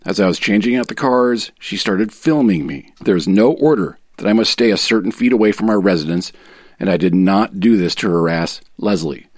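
Man playing a low-voiced, aggrieved husband. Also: lively intonation, normal speed, dry recording, studio quality. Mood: aggrieved, formal. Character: aggrieved husband reading his sworn court statement. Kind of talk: dramatic reading of a legal affidavit.

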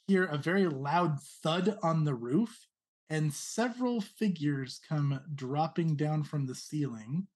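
Husky-voiced game master narrating. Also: medium pitch, a little mellow. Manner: descriptive, amused narration.

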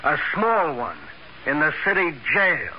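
A man's voice: on the high side, very animated, measured pace. An actor playing a blunt, cocksure policeman in a 1940s radio drama, with an emphatic, slangy way of talking. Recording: muffled, hissy old radio recording.

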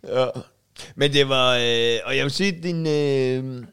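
A man's voice: mid-range voice, fairly bright tone, clear, resonant tone. A man co-hosting a podcast, telling a story in a casual chat and laughing often. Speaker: podcast co-host.

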